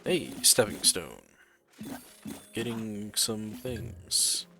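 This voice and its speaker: A man hosts a gameplay video with slow, casual commentary in a bright, medium-pitched voice. He is playful about it, and music plays behind him. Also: very animated. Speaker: gaming video host.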